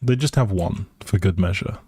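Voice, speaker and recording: A man's voice: deep voice, normal speed, mellow, slightly rough, no room sound. A man live streaming a video game with casual, hesitant commentary, thinking aloud and often trailing off. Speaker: live streamer playing a life simulation game.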